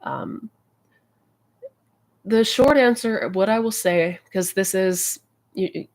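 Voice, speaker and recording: Speaking slowly at a medium pitch, this woman has a slightly mellow voice, and the recording is rough. She's coaching on a casual live Q&A stream, a little congested and nasal with a cold, keeping things friendly and talkative with plenty of fillers.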